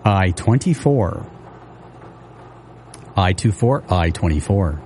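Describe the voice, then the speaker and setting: A man calling bingo numbers on local radio, repeating each one slowly and steadily. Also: deep voice, very animated, a little mellow, a little hiss or hum.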